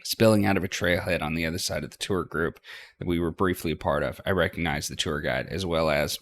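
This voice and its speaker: A man's voice: low voice, a little fast, a bit bright. A man hosting a let's play, reading visual novel narration aloud and now and then stumbling over words.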